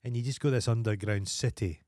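A man's voice: medium pitch, quick pace, darkish tone, no echo. A Scottish man co-hosting a podcast, telling rambling sweary stories in casual banter. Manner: rambling, sweary storytelling with wild sung outbursts. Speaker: podcast co-host.

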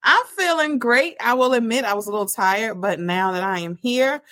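A woman's voice: on the high side, normal speed, a bit bright, no echo, studio quality. Candid woman in her forties from Baltimore. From Baltimore, Maryland. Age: 40s. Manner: candid, laughs easily, joking. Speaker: guest. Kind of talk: casual interview.

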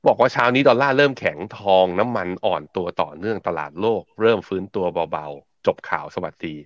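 A low-voiced man talks through stock charts in a relaxed, chatty way. His voice sounds dull and close, with no room around it. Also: a little fast, dry recording. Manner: relaxed, chatty, laughs while reading viewer comments. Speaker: co-host and market analyst. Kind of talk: casual market commentary.

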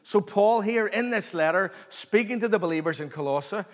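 A man preaching an expository sermon to a congregation, earnest, excited and emphatic, repeating phrases and calling for response. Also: high voice, brisk. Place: large reverberant room, live before a congregation. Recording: long hall reverb.

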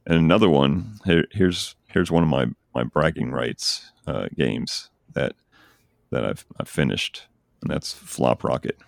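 A man's voice: extremely low pitch, unhurried, vocal fry, no room sound, clean studio sound. A man hosting a podcast, chatting casually and enthusiastically about games he recommends. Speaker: podcast host. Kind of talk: casual chat.

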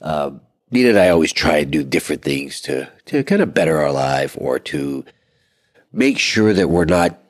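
A man in his forties co-hosts a relaxed couple's podcast with a congested, stuffed-up sound. His voice sits very low, and he talks with energy, often repeating words as he restarts a thought. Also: normal speed, no echo, studio quality. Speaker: podcast co-host. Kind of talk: casual couple's podcast chat.

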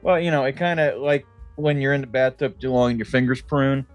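A man of medium pitch chats as a podcast co-host. His style is casual and comedic, with a crude, joking streak. Faint music plays behind him. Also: brisk.

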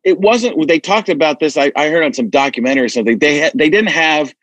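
A man hosting a podcast, telling stories in a rambling, animated way with many restarts. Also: fairly high pitch, fast talker, no echo, lo-fi sound. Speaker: podcast host. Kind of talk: casual chat.

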